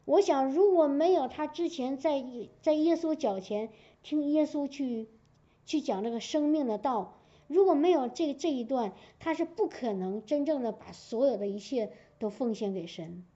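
High-voiced woman preaching a sermon. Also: moderate pace. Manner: lively storytelling with frequent "明白我的意思吧" asides. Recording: dull lo-fi recording.

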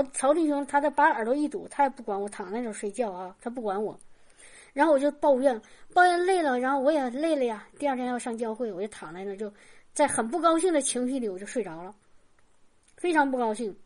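A woman's voice: sits high, animated, a little fast. A woman preacher giving a sermon testimony, talking in a rambling, repetitive way full of fillers and acting out the voices she quotes.

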